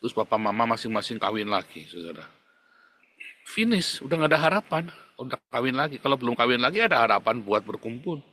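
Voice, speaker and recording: A male pastor preaches a sermon very animatedly and fast, with emphatic delivery, frequently calling listeners brothers and sisters. He swings between loud outbursts and low, quiet lines.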